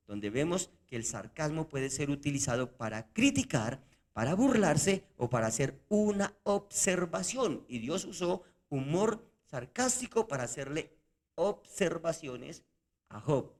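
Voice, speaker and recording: A man co-hosting a Christian podcast, explaining points emphatically and acting out example lines in casual discussion. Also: mid-range voice. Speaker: podcast co-host.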